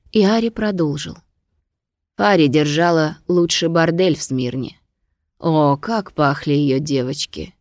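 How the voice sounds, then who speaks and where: A woman narrating a novel aloud in a calm, even reading voice. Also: low-pitched, no echo, studio quality. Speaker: audiobook narrator.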